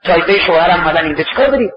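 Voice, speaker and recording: A woman's voice: fairly low pitch, lively intonation, noisy background, natural voice. A preacher voicing a steadfast bereaved mother. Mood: guarded. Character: grieving but steadfast mother in a desert tent. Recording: distant, roomy, dull sermon recording.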